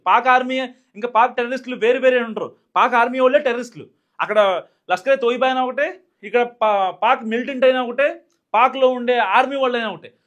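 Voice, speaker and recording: A man with a Telugu accent giving emphatic, fast-moving political news commentary, with frequent fillers and restarts. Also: very high voice, a bit bright.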